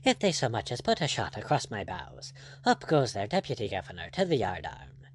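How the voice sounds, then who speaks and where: A man's voice: medium pitch, very animated, fairly quick, slight background noise, close to an everyday voice. A man voicing a gallant, ironic pirate captain in an audiobook, teasing and courtly in manner. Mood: commanding, mocking.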